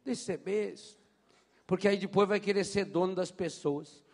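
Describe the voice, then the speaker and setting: Priest preaching, high lively voice, long echoey hall. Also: male voice, moderate pace. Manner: animated storytelling, mimics voices. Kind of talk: sermon.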